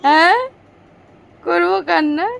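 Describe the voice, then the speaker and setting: A young mother, hoarse and sleepy after a night awake, talking sing-song baby talk to her infant. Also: very high-pitched, steady tone, measured pace, fairly bright tone.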